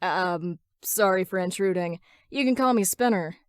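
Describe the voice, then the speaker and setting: A woman's voice: lowish voice, normal speed, clean tone, no echo, close to an everyday voice. Woman acting young male lizard villain, awkward, polite, sheepish, mumbling, fiction reading, dry. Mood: embarrassed.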